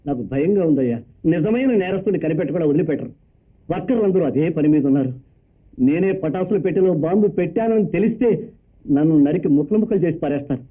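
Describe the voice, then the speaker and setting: Actor as guilty worker, high, pleading, tinny with music. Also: male voice, fast talker, natural voice. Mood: fearful. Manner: pleading, fearful. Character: frightened guilty worker, remorseful. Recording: tinny lo-fi film soundtrack with music.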